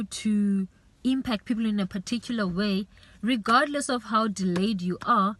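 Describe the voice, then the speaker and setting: A woman giving an earnest, faith-based motivational talk as a vlogger, urging and repeating herself, with plenty of "you know". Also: medium pitch.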